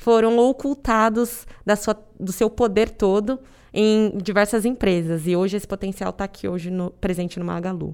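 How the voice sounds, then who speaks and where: At a medium rate, a woman talks in an ordinary speaking voice. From interior of São Paulo state, Brazil. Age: 20s. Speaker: corporate trainee. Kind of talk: casual interview chat.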